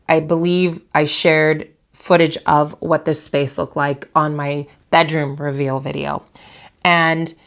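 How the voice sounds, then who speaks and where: A young adult woman hosting a vlog from her bedroom, speaking slightly nasally because of a head cold, in a calm, reflective coaching tone that asks the viewer direct questions. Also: lowish voice. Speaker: vlog host and interior designer. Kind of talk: motivational talk to camera.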